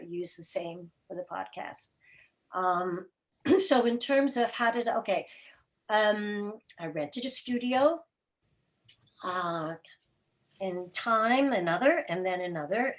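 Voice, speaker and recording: Invited as a guest to an online gathering, a radio and podcast producer describes what she does in an informal, spoken way. She talks in a mid-range voice, pausing and thinking as she goes.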